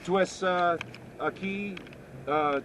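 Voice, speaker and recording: A man talks in slow, halting learner's Spanish full of fillers and restarts, his voice sitting somewhat high. He rides in a taxi with street and engine noise clearly audible underneath. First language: English. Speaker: musician and songwriter. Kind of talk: casual chat in a taxi. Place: inside a moving taxi. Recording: noisy car ride recording.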